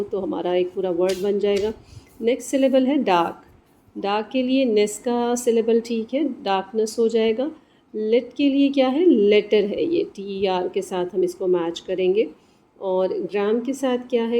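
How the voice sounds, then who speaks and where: A woman with a Pakistani accent teaching an English lesson, reading English lines slowly and explaining them in Urdu. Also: medium pitch, mellow.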